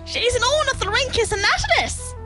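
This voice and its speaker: Lady doing a super high fussy platypus mum for a kids story, very up and down, music behind. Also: animated, fairly quick, bright, forceful tone, exaggerated voice. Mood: proud. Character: doting mother platypus, anxious and proud. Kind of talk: children's audio story acting.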